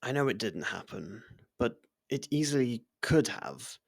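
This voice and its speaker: A performer as an earnest, slow-spoken royal servant. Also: medium pitch, very animated, creaky, slightly rough, dry recording, studio quality, full character voice. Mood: worried, earnest. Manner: earnest, formal, deferential, halting. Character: devoted royal servant, worried, gently scolding close friend. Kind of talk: ASMR fantasy roleplay.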